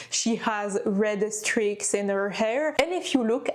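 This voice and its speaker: A woman with a non-native accent speaks at a very slow pace in a fairly high pitch, with ordinary pitch variation. Noticeable background noise sits behind her. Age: 20s. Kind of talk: casual movie analysis talk to camera.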